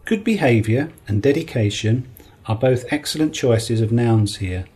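A male podcast host and English teacher with a husky, slightly breathy voice. He reads out calm, explanatory feedback in a scripted teaching style. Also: medium pitch, normal speed.

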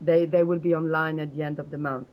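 A woman from South Africa with a low voice answers interview questions. She speaks hesitantly, pausing often and restarting her sentences. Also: flat delivery, lo-fi sound. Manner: hesitant, many fillers and restarts. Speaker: interview guest, exam candidate.

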